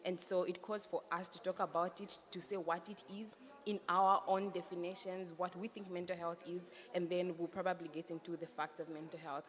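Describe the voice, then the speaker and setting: A woman's voice: on the low side, level tone, moderate pace, hardly any pauses. A young woman from Zambia moderating a youth panel discussion, speaking in an earnest, emphatic way and repeating her key points. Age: young adult. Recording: hall reverb with faint background noise.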